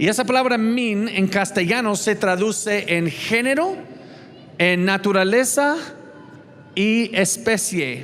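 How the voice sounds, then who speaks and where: Amid noticeable background noise and audible room echo, a man with a high pitch talks at a very slow pace, holding very even loudness and leaving long, frequent pauses. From northern US. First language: English (speaking Spanish). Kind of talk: lecture. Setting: church with audience. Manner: animated.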